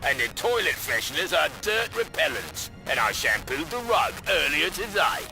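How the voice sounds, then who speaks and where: A man's voice: a little high, big pitch swings, moderate pace, bright, forceful tone, faint music behind, exaggerated voice, low-quality recording. A man playing an officious, irritable, fussy prison guard in a video game, curt and pedantic. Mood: proud, fussy.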